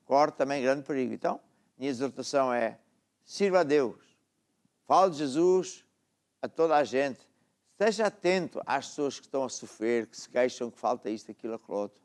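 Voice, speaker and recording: A man's voice: mid-range voice, animated, fairly quick, a little mellow. A middle-aged man with a European Portuguese accent, preaching a sermon and exhorting his listeners, then praying over them. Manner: exhorting, asks "está a ver?" often. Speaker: apostle preaching. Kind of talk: sermon with closing prayer.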